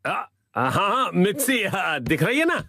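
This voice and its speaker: A man's voice: high-pitched, sing-song, unhurried, no room sound, clean studio sound, full character voice. A man voicing a henpecked salaryman father in a cartoon dub, stammering, evasive and grumbling. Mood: flustered. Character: flustered, henpecked salaryman dad. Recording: cartoon dub over loud music. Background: loud background music.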